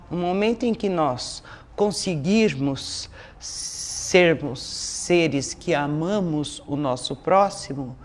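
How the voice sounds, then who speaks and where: A woman with a Brazilian accent giving an informal religious talk as a lecturer, in a didactic manner with frequent tag questions. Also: on the low side. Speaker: spiritist lecturer.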